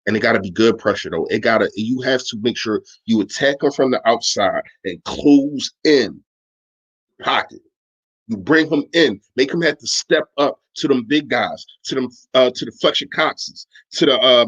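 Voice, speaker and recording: A man's voice: medium pitch, a bit bright, slightly rough, highs cut off. Emphatic, slangy man debating football. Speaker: sports podcast host. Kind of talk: casual sports talk, reacting to live chat.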